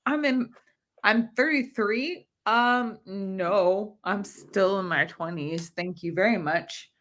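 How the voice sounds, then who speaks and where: A woman's voice: mid-range voice, slow pace, a bit bright. A woman in her thirties chatting on a podcast, laughing often as she talks. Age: 30s. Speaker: podcast guest. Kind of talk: casual chat.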